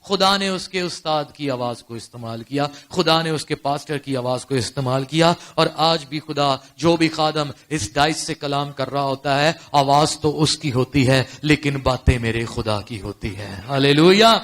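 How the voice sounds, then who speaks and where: A male pastor with a Pakistani accent preaching a sermon in church, firing rhetorical questions at the congregation and swinging between quiet storytelling and loud exclamations. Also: mid-range voice, hardly any pauses. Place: church service before a congregation.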